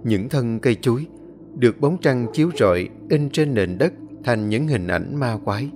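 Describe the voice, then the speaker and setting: A man narrating a ghost story in slow, measured storytelling. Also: mid-range voice, animated, noisy background.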